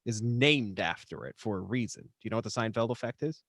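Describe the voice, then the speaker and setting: A man chatting casually on a podcast, talking in a halting way and repeating words as he goes. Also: lowish voice, a bit bright, no room sound, clean studio sound. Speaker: podcast co-speaker, voice actor.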